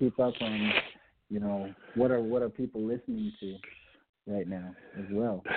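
With an American accent, a man speaks at a moderate pace and fairly low pitch, using fairly even intonation and long, frequent pauses. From Michigan (Saginaw/Bay City). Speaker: musician. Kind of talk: casual interview.

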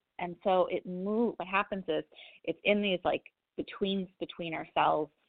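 With an ordinary speaking voice, a woman talks at a moderate pace in a medium pitch. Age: 40s. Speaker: massage therapist. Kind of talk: interview.

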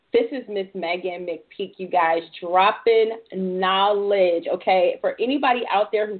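Speaking at a fairly slow pace, a woman has a medium pitch and an unremarkable speaking voice. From Detroit, US. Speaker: podcast host interviewer. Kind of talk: casual interview.

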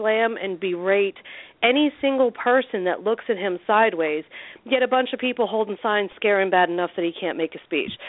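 A woman with an American accent talks at a fairly quick pace in a normal speaking voice, with ordinary pitch variation. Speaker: panelist.

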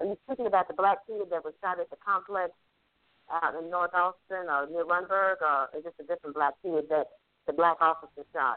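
Speaking at a fairly quick pace, a woman has a medium pitch and a normal speaking voice. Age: 60s. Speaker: caller and grandmother. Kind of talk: call-in radio discussion.

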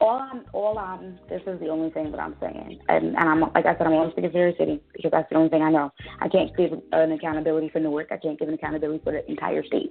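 A woman with an American accent at a very fast pace, amid noticeable background noise. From New Jersey. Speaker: radio host. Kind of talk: casual chat. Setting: studio.

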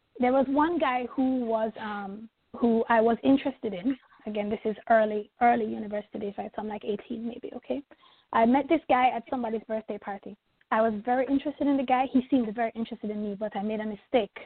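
In a Jamaican accent, a woman speaks at a very fast pace with a fairly high pitch and fairly even intonation. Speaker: doctor and clinical researcher. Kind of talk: casual interview. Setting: live radio show.

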